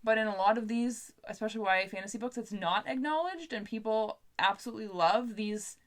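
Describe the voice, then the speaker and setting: A woman's voice: a little high, a little fast. A young woman chatting casually to camera as a book vlogger, in an informal, rambling, playfully self-deprecating way. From Canada.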